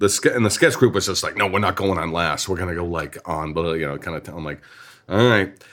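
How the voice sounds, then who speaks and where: A man speaks in an American accent at a fairly quick pace, with ordinary pitch variation. The recording is very clean, with a silent background. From Boston, Massachusetts. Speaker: musician and comedian. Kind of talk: casual interview chat. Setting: bar.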